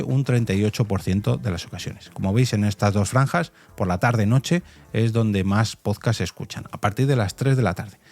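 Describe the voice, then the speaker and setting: A man's voice: medium pitch, a little mellow. A man from Spain with a Spanish accent hosting a podcast, explaining things conversationally and addressing listeners directly with rhetorical questions. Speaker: podcast host. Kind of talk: conversational podcast commentary on survey results.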